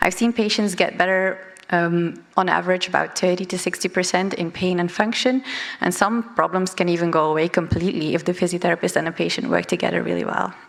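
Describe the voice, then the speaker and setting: A woman's fairly low voice at a very fast pace, fairly even in intonation, over noticeable background noise. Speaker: physiotherapist. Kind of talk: conference presentation.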